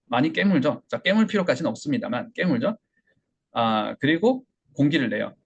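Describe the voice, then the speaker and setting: A man's voice: medium pitch, big pitch swings, fairly quick, vocal fry, dull audio, slight background noise. A man teaching English pronunciation in a lecture, speaking with a Korean accent, demonstrating sounds and repeating example words. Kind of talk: online English lesson.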